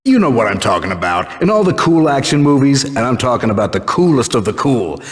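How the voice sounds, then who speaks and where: A man's voice: mid-range voice, big pitch swings, fairly quick, close to an everyday voice. A man playing a chatty, laid-back goon in a video game, conversational and a bit boastful. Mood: musing. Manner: conversational, musing. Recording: echoey room, long reverb.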